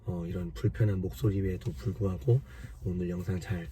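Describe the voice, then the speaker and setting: A man with a hoarse voice from a cold, patiently explaining car repair step by step to his viewers in a casual way. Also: sits low, fairly even intonation, normal speed, mellow, a little hiss or hum. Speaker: car maintenance vlogger.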